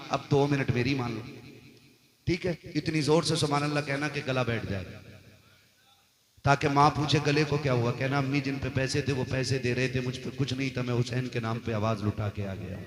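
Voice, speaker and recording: A man's voice: medium pitch, steady tone, fairly quick, a bit bright. A man, a Muslim cleric, preaching and exhorting, often checking that his listeners agree. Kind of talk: sermon addressed to a congregation. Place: large religious gathering, on microphone. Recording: echoey PA hall, crowd behind.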